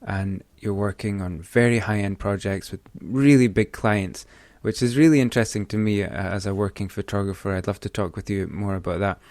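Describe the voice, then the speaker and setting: Gravelly low-voiced male podcast host. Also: steady tone, fairly quick, darkish tone, no room sound. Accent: Scottish. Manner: eager, chatty, with restarts. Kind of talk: podcast interview.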